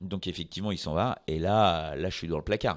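A man talks at a moderate pace in a very deep, low pitch. The recording is very clean, with a silent background. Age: 50s. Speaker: tennis journalist. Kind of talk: casual chat. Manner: animated.

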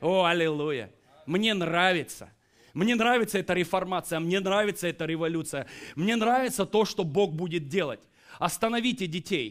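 A man speaks at a moderate pace with a high pitch and ordinary pitch variation. The background is quiet. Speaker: pastor. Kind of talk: sermon. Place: church.

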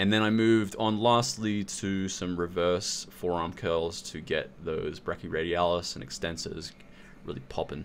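A man with a very deep, low pitch at a moderate pace. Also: ordinary pitch variation. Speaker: fitness vlogger. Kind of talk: training vlog narration. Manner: rambling.

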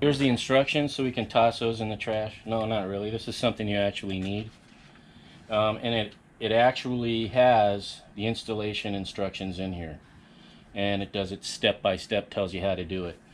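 A man's fairly low voice at a moderate pace, with fairly even intonation and light background noise. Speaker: RV vlogger. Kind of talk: tutorial. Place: street. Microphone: camera far.

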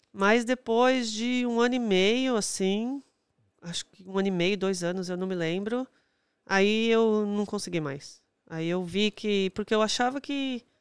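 The background is quiet and the sound dry with no echo. A woman talks at a fairly slow pace and medium pitch, with ordinary pitch variation. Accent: São Paulo. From Brazil, São Paulo. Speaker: podcast guest. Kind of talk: personal testimony in casual interview. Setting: studio. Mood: emotional personal story. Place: studio. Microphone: studio mic.

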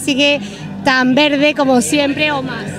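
Recorded with a dry sound and no echo, a woman talks over light background noise. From Andalusia, Spain. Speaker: local TV reporter. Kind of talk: on-location event interviews. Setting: outdoors at a town festival. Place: street. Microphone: handheld.

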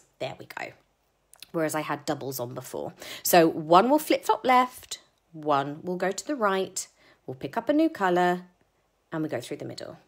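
A British-accented woman with a fairly low pitch talks at a moderate pace against a quiet background, her pitch swinging very widely and her loudness rising and falling sharply, with long, frequent pauses. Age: 30s. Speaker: craft tutorial host. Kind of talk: casual tutorial live stream. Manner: chatty, friendly. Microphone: phone near.

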